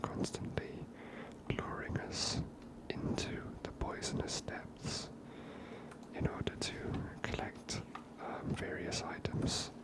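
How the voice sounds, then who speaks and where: A man giving gentle, unhurried ASMR game commentary in a breathy whisper, close to the microphone. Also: poor audio.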